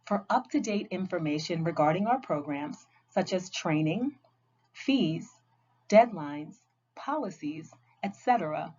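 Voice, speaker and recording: Low-voiced woman narrating a compliance training. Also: darkish tone. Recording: dull lo-fi audio.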